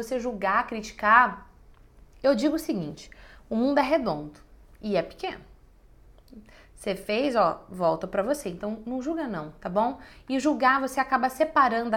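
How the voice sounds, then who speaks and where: Woman host, bright and fairly high voice, direct and expressive, casual advice answering viewers. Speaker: host giving relationship advice.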